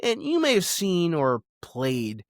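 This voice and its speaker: A man hosting a video essay, speaking in a conversational, emphatic way with dramatic pauses. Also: fairly high pitch, huge pitch swings, no echo, clean studio sound. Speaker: podcast host and video essayist.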